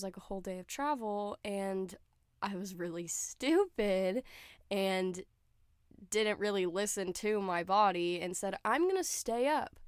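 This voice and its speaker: A young woman chats through her solo podcast, her voice a bit nasal and stuffed up from a recent cold. The tone stays smooth and clean under the sniffles, and she rambles loosely with plenty of "like" and "um". The sound is dry and close, with no room behind her. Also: mid-range voice, no echo. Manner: chatty, lots of "like" and "um" fillers. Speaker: podcast host. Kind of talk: casual solo podcast chat.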